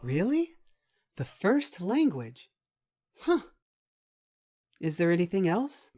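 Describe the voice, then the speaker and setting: Man voicing a curious young woman doctor, higher-pitched. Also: huge pitch swings, takes it slowly, darkish tone, full character voice. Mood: surprised. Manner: casual, inquisitive. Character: curious young female doctor, puzzled and questioning. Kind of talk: scripted audio story.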